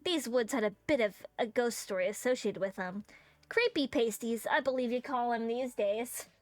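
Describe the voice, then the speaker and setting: A woman voicing a boastful old male sailor who tells a tall tale slowly. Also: on the high side, no room sound, natural voice.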